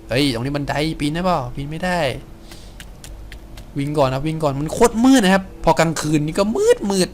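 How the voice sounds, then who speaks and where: Excitable young man doing game commentary. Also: fairly high pitch, a little hiss or hum. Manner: excitable, exclaiming and laughing at the game. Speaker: game streamer. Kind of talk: Let's Play commentary.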